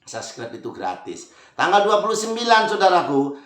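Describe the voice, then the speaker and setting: A man giving a casual spoken horoscope reading, chatty, calling listeners brothers and sisters and swinging between loud stresses and soft asides. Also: high-pitched, big pitch swings, moderate pace. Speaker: zodiac fortune reader. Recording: roomy echo.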